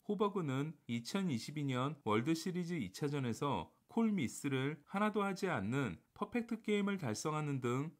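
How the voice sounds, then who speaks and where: Male sports news host, slightly high-pitched, lively intonation, formal scripted narration, factual delivery. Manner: formal, matter-of-fact delivery.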